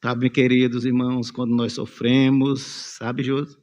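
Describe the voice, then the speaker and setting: A man's voice: mid-range voice, little pitch movement, a little slow, a little mellow. A man with a Brazilian Portuguese accent preaching a sermon in a church, telling the story vividly and calling on listeners by name. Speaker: pastor.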